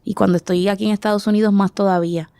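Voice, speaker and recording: A Dominican woman in her forties, an artist guest, answers interview questions reflectively, hunting for words and often restarting. Her mid-range voice is steady, smooth and dark, and she speaks in rapid-fire bursts. The recording has no room sound.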